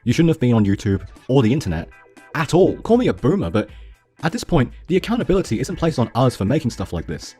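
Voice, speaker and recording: A man's voice: medium pitch, big pitch swings, quick pace, warm tone, slightly rough, faint music behind. A man in his twenties reads a scripted rant. He talks in a heated, profane way and throws insults. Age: 20s. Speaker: YouTuber responding to a critic.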